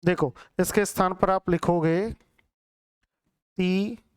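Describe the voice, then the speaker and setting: Hindi teacher drilling word spellings. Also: male voice, sits high, unhurried, clean tone. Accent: Rajasthani Hindi. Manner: drills words by repeating them and quizzing students. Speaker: Hindi exam-prep teacher. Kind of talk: classroom lecture.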